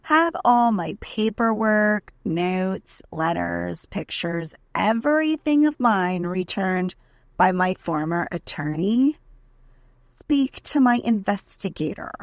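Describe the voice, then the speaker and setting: A woman's voice: mid-range voice, animated, no echo. A woman giving a dramatic reading as an aggrieved, desperate defendant, indignant and emphatic as she pleads her case in a letter. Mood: indignant, pleading. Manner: indignant, emphatic, deliberate list-like delivery.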